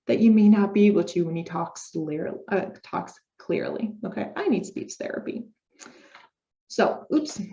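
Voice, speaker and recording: A woman's voice: mid-range voice, darkish tone. A woman giving an informal speech therapy lecture, upbeat and explaining step by step with spoken demonstrations. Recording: dull lo-fi recording.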